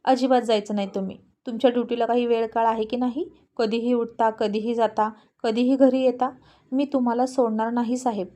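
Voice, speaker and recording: A woman's voice: a little high, fairly even intonation, fairly quick, warm tone, lightly acted. A woman voicing a worried, insistent young pregnant wife in a spoken story, pleading and stubborn.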